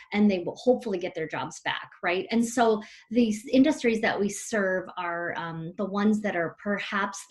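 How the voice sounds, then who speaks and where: Female exec guest, mid pitch, friendly and upbeat, home video call. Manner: friendly, upbeat, articulate with some fillers. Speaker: business executive guest. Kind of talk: casual remote interview.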